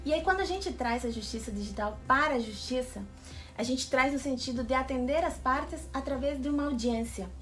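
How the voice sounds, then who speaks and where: The guest on a regional TV interview show: a Peruvian-born, woman with a highish voice, explaining her project keenly. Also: brisk, fairly bright tone, faint music behind. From Lima, Peru. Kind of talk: enthusiastic explanatory interview answers.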